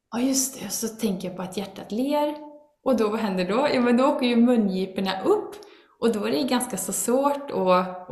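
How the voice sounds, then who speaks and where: A woman's voice: mid-range voice, reverberant. A woman guest talking earnestly in a casual conversation, now and then acting out her own inner voices. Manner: earnest, animated, with acted asides of her inner critic.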